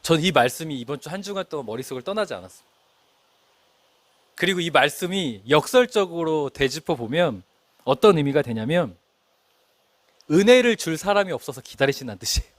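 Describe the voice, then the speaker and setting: A man's voice: fairly high pitch, expressive, brisk, long pauses, no room sound. A middle-aged male pastor preaching a sermon, telling a story and asking the congregation questions. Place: church.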